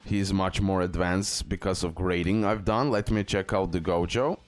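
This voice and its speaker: This low-voiced gaming YouTuber narrates a casual game guide at normal speed, with no echo on the recording. He keeps repeating points and tossing in check-in tags, backed by music.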